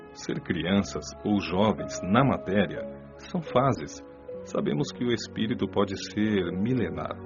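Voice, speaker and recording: A man playing a patient, earnest spirit mentor in a radio drama, speaking in a measured, didactic and gently admonishing way. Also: low-pitched. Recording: dull, muffled audio under clear music. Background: music.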